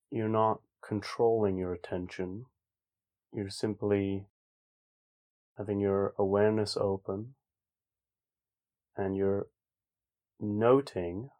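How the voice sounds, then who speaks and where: A man leading a guided meditation in a calm, informal way, speaking gently spaced instructions with long pauses. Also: on the low side. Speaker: meditation teacher. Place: online group session over video call.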